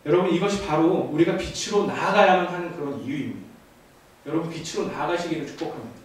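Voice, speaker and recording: A man's voice: on the high side, quick pace, slight background noise. A man in his thirties preaching a youth sermon, telling a family story with asides to the congregation. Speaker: youth ministry pastor. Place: church sanctuary. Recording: echoey church from far off.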